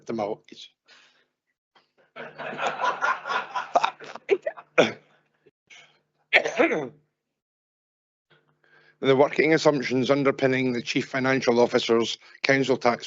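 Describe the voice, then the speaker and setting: A man's voice: mid-range voice, a bit bright, no room sound, highs cut off. A male councillor who is losing his voice, giving a formal speech at a council meeting. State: losing his voice, throat-clearing. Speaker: elected councillor seconding a motion.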